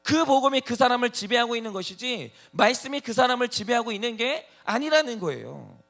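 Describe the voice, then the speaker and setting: A man's voice: very high voice, big pitch swings, brisk, vocal fry, fairly bright tone. A man pastor preaching a sermon, asking the congregation many rhetorical questions.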